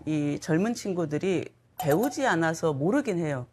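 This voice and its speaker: Middle-aged woman from gurye, calm measured talk show guest, music under her voice. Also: deep voice. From Gurye, South Jeolla, Korea. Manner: calm, measured storytelling with small laughs. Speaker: guest author.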